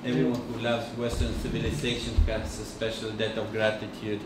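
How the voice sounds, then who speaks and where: A middle-aged man from Argentina with an Argentine Spanish accent, giving a conference lecture in a measured way with pauses and restarts. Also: lowish voice, flat delivery. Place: conference hall. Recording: echoey hall with faint noise.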